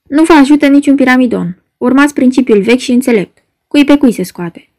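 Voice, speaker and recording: A woman voicing a mysterious foreign gentleman in black, speaking with a heavy voice and a smiling, courteous manner. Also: sits high, animated. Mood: amused.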